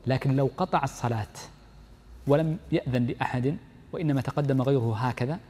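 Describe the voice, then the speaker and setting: A man's voice: medium pitch, brisk, mellow. A man teaching a lesson in Islamic law, explaining a text step by step and often repeating his key points. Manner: explains step by step, repeats key phrases, reads the text aloud then comments. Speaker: sheikh teaching Islamic jurisprudence. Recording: long hall reverb.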